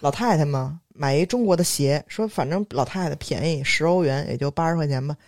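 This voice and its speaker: A man chats at a quick clip, his voice a little high for a man. He is mocking and blunt and swears as he retells what people said. The sound is dry and close, with no room echo. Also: darkish tone. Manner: blunt, swears, mocks others, acts out quotes. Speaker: podcast co-host. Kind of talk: casual chat, storytelling.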